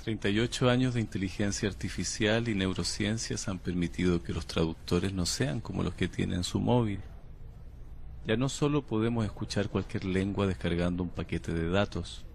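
An actor playing a calm, cryptic male patient who claims to come from the future, speaking in a slow, measured, unsettling way. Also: deep voice, gravelly, slight background noise. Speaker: patient under interview. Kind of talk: audio drama acting.

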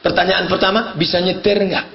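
A man giving a humorous sermon, telling stories and acting out dialogue, with laughs and sudden shouts. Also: high-pitched, flat delivery, brisk, gravelly, muffled recording. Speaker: preacher.

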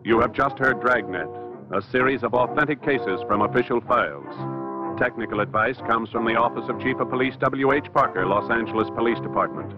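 A man announcing formally in a measured 1950s radio style. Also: mid-range voice. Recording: muffled vintage radio recording, loud brass music. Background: orchestral brass music.

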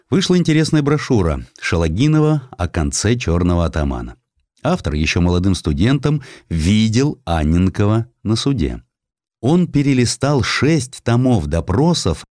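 Deep, expressive male dramatic narrator. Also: no room sound, studio quality. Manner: theatrical, measured with weighty pauses. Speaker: narrator, audiobook performer.

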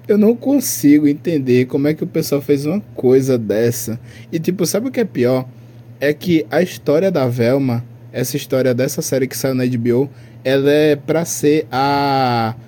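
A man's voice: fairly high pitch, dark tone. A man in his twenties with a Brazilian Portuguese accent, co-hosting a podcast in casual chat, rambling and slangy with frequent laughs. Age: 20s. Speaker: podcast co-host.

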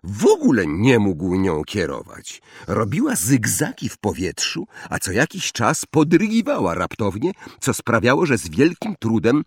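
A man narrating an audiobook with expressive, dramatic storytelling. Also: lowish voice, normal speed, few pauses, breathy edge, no echo, clean studio sound. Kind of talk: audiobook reading.

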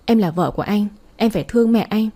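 A woman's voice: mid-range voice, fast, warm tone, natural voice. A woman voicing an angry husband who scolds his wife, in a spoken storybook. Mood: angry scolding. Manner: scolding harshly. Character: angry, reproachful young husband.

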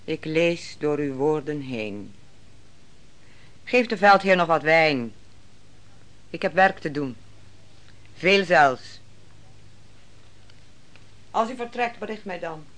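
An actress playing a stern, devout biblical prophetess in a radio drama, speaking in a solemn, measured way. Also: female voice, low voice, expressive, a bit bright, full character voice. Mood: curt, cool. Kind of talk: theatrical radio drama dialogue.

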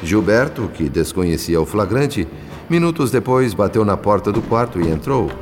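A man with a Brazilian accent narrating a radio soap opera in a measured, solemn, dramatic way. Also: lowish voice, very animated, big-room sound, music in the background. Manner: measured, solemn, literary phrasing.

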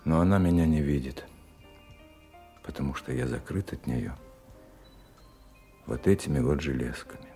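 Very deep-voiced brooding captive man, music behind. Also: normal speed, pauses often, mellow. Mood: sorrowful, reflective. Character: brooding, sorrowful male prisoner watching from barred window. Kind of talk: audio drama monologue.

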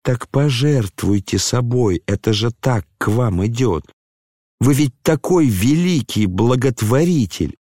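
A man's voice: mid-range voice, expressive, unhurried, dark tone, no echo, clean studio sound. A man reading an audiobook, voicing an agitated, proud young woman who questions and reproaches urgently.

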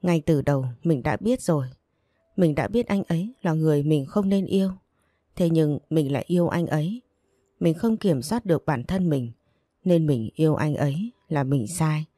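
A woman's voice: sits low, lively intonation, normal speed, warm tone, no room sound, studio quality. A woman reading an audiobook and voicing a heartbroken young wife, choked and self-blaming. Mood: bitter.

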